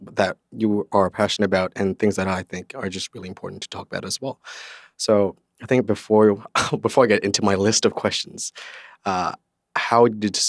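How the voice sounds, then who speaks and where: Male podcast host, low voice, dry close sound, easygoing chat with fillers. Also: no room sound. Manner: relaxed, chatty, with fillers and restarts. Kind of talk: casual interview.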